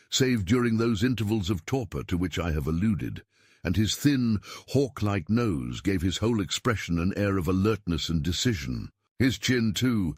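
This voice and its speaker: A man reading a literary story as narrator, in a measured, formal storytelling manner. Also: sits low, husky, no echo, studio quality. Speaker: audiobook narrator.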